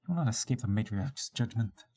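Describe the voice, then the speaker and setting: Music runs behind a man's medium-pitched, warm, husky voice as he streams a theatrical reading of game dialogue. He's lively and a little fast, hopping between character voices and now and then fumbling a word before rereading.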